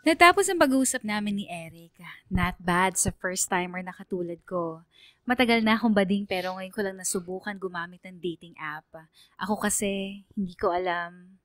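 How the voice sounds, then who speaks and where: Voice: medium pitch, moderate pace, lightly acted. An actor playing a young gay male student who narrates his love story to a radio DJ in a playful, confiding way. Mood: reflective. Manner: chatty, playful, self-flattering. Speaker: letter sender narrating to a radio DJ. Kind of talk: confessional first-person radio drama narration.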